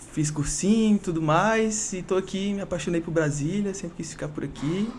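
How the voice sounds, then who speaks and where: Against noticeable background noise, a man with a high voice talks at a moderate pace with ordinary pitch variation. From Bahia, Brazil (Vitória da Conquista). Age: 20s. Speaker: medical student, former prep-course student. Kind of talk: casual podcast interview.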